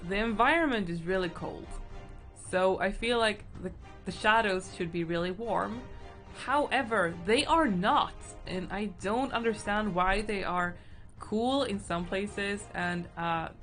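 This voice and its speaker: A young woman streaming while she paints, chatting casually and thinking out loud, with lots of fillers and giggles. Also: mid-range voice, a little slow. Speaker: artist streaming a painting session. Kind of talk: casual stream-of-consciousness chat. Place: indoors at home. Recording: faint background music.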